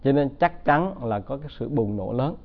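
A man's voice: mid-range voice, animated, normal speed. A man giving a Buddhist dharma talk, telling stories and often asking the audience to agree. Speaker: Buddhist teacher. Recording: tinny phone-like sound.

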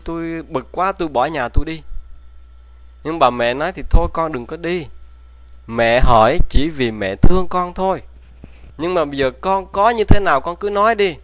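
A man narrates a folk tale and keeps asking his listeners questions as he goes. His voice sits fairly high and sounds dry and close. The recording is dull and lo-fi. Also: dry recording. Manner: addresses listeners with rhetorical questions. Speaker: storyteller.

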